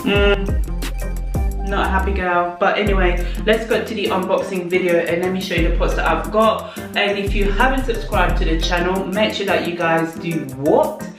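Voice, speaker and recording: A woman's voice: on the low side, fairly even intonation, music in the background. Exasperated woman in an echoey room. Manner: exasperated, joking, drawn-out talk. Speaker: vlogger. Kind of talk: casual unboxing chat. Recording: very roomy, from a distance.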